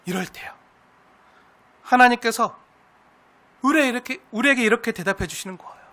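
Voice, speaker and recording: A man's voice: very high voice, a little fast, pushed and bright. A man preaching a sermon as pastor, earnest and heartfelt, posing rhetorical questions to the congregation.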